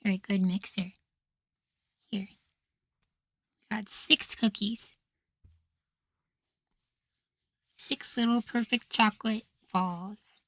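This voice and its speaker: Man voicing a soft, high-pitched, slow-talking femboy househusband. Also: fairly even intonation, no echo, full character voice. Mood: affectionate, praising. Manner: coaxing, gently praising, sweetly apologetic. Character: soft, affectionate, easily flustered young femboy househusband. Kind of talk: intimate ASMR roleplay.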